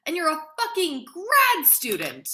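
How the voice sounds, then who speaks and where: A woman's voice: very high-pitched, wildly swooping pitch, a little slow, sharp tone, heavily acted. A woman playing an indignant, proud young male grad student with cutting sarcasm in a dramatic table read. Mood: scornful, angry.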